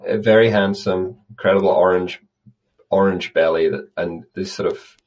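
Answering an interviewer in a relaxed, conversational way, this conservation guest speaks at normal speed in a very deep, low voice that is a little mellow and fairly even in intonation. He's thoughtful, frequently restarting phrases before continuing.

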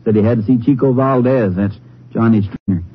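An actor playing a folksy, plain-spoken Texas sheriff in 1950s American radio drama, talking in clipped, informal phrases. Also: male voice, mid-range voice, fairly quick, close to an everyday voice. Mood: matter-of-fact. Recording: dull, noisy vintage radio recording.

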